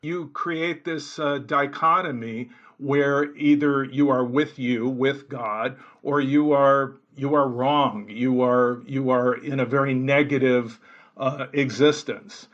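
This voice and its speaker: A man on a talk show panel, pressing an accusation through deliberate questioning with restarts. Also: medium pitch, fairly even intonation, fairly bright tone, highs cut off. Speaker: panel guest, critic.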